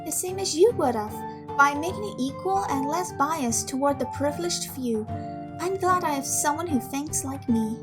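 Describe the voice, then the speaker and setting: A gentle young servant woman, acted by a woman with a distinctly high voice, speaking over clear background music. She is careful, earnest and reassuring, in the style of an audio drama. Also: animated, moderate pace. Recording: music under the voice.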